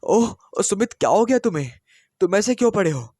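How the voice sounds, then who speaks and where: A stubborn, sharp-tongued young wife, voiced by a male narrator in a raised, higher register. She talks back defiantly in this spoken horror storybook. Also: normal speed, dry recording, studio quality, close to an everyday voice. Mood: feigned concern. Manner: pitched up, defiant, later feigning innocence.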